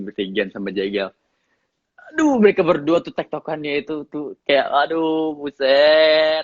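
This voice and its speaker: A relaxed male actor chatting in an interview, his Indonesian carrying a slight English lilt. His voice sits at an ordinary middle pitch, recorded close and dry with a slightly dull, muffled tone. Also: no echo. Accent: slight English accent in his Indonesian. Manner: relaxed, chatty, mixes English into his speech, laughs often. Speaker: actor guest. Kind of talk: casual interview chat.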